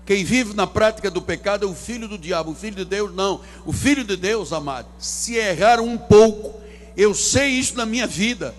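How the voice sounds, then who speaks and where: A man pastor, preaching a sermon from the pulpit with theatrical swings between loud and hushed delivery. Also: high voice, normal speed, soft background music. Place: church sanctuary.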